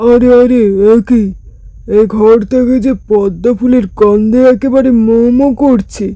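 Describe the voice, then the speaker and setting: A performer voicing a gentle, curious young prince in a cartoon fairy tale, musing and wondering aloud. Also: mid-range voice, steady tone, measured pace, dry recording, natural voice. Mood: amazed, puzzled. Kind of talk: cartoon story acting.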